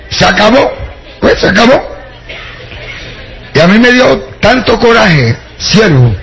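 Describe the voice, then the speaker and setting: A man's voice: high-pitched, a bit bright, rough recording. An older man from Puerto Rico with a Puerto Rican accent, preaching his testimony to a congregation, addressing listeners directly and slipping in wry jokes. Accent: Puerto Rican Spanish.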